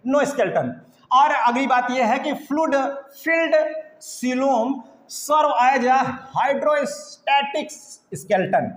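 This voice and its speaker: A man teaching biology in a classroom lecture, mixing Hindi with English terms, asking and answering his own questions and repeating key points slowly. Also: sits high. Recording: echoey room with long reverb.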